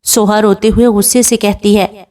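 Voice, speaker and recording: A woman narrating a romance novel in a steady storytelling voice. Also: medium pitch.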